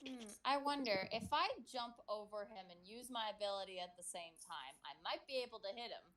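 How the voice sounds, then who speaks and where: A woman player in casual chat at a tabletop game, animated and quick to giggle. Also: mid-range voice.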